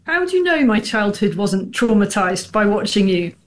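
A woman journalist with an English accent in chatty studio banter, quick to laugh and forthright. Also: medium pitch, sing-song, slight background noise. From Scotland. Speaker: journalist, show guest.

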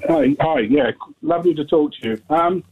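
A man's voice: fairly high pitch, normal speed, husky. A seventy-year-old man calling into a radio talk show, insistent and talking over the host. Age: 70s. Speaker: caller. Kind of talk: radio phone-in call. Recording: phone line.

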